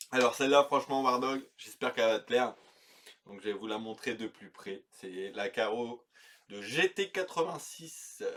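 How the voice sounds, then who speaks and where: This man's tone is animated, at a medium pitch. His intonation is lively. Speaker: RC car body painter, youtuber. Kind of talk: casual show-and-tell tutorial.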